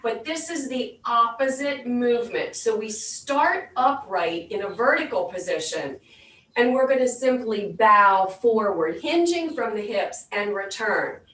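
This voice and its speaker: A woman with a medium-pitched, slightly bright voice leads an exercise class as a fitness instructor, giving clear step-by-step instructions and counted cues. The microphone is distant, so the sound has a roomy echo.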